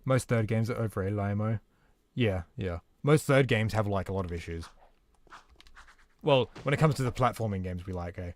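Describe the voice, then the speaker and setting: A man's voice: fairly low pitch, moderate pace, dry recording. A man live-streaming a game, chatting casually and reading viewer comments aloud in a laid-back way. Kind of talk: casual live-stream chat while gaming.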